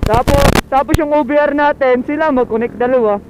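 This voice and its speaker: A Filipino motorcycle vlogger chats casually with viewers while riding through traffic, often repeating short phrases. His voice is very high and brisk, and the dull, lo-fi recording is full of loud traffic and engine noise.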